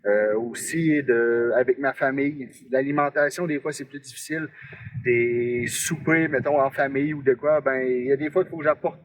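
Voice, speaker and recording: A man's voice: mid-range voice, fairly even intonation, normal speed, a little hiss or hum, poor audio. A man in his twenties with a Québécois accent, an amateur strongman answering interview questions in a chatty, rambling way. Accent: Québécois French. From Quebec, Canada. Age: 20s. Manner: chatty, rambling, many "là" tags.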